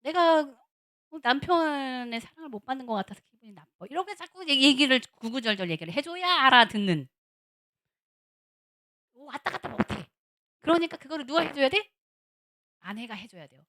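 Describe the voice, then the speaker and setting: A middle-aged woman, a seminary professor, giving a lively lecture on marriage at a church, acting out little dialogues and repeating words for emphasis. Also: sits high, moderate pace, pauses often. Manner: animated, acts out little dialogues of husbands and wives.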